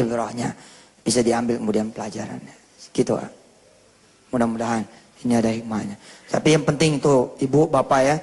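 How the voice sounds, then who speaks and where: A man's voice: medium pitch, husky. A man preaching a storytelling sermon, acting out the dialogue as he tells the story. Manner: lively storyteller who acts out the dialogue. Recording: reverberant hall sound.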